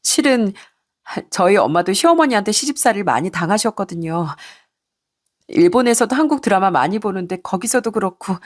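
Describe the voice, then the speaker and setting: A remorseful young wife, as a woman acts her out, speaking hesitantly and apologetically at a middle pitch in a narrated story. Her lines come soft and halting. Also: close to an everyday voice.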